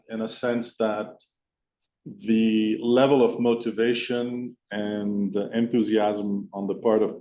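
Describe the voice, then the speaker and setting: Low mellow man on a dull call. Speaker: company executive on an earnings call. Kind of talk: answering investor questions. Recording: dull, lo-fi conference call audio.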